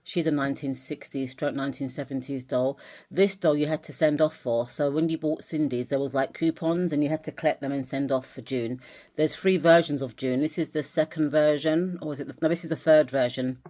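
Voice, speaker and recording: A woman from England with a low voice talks through her collection in a relaxed vlog. She rambles a little, doubling back and restarting as she goes. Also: brisk. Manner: chatty, rambling with restarts and fillers. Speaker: vlogger. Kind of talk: casual chat, showing dolls and journal.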